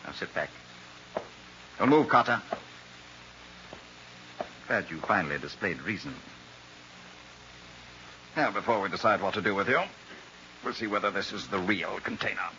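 Deep-voiced, menacing colonel, old radio. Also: male voice, pushed and bright, full character voice. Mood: commanding. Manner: formal, precise, coldly polite military officer. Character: soft-spoken, menacing male colonel, murderous gang boss. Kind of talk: 1940s radio crime drama acting. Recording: muffled, noisy old radio recording.

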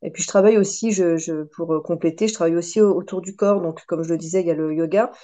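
French woman in her forties, podcast guest, lowish mellow voice, reflective with frequent restarts. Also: steady tone, fast. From France. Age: 40s. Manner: thoughtful, many hesitations and restarts. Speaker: guest, personal development coach. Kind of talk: podcast interview.

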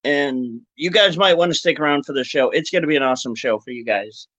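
A man hosting a casual online talk show, chatting in a laid-back, halting, folksy way. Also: on the high side, a bit bright, dry recording, highs cut off. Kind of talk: casual rambling live chat.

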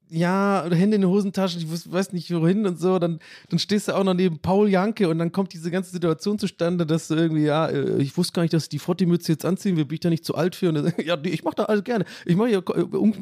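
A man's voice: a little high, darkish tone, dry recording, clean studio sound. A young man hosting a casual solo podcast, rambling and ranting with casual swearing. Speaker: podcast host.

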